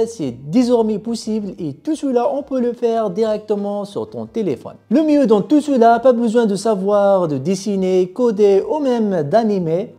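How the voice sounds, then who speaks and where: Very dark, mellow tutorial voice. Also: medium pitch. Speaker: tutorial presenter. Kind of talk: explanatory tech tutorial narration.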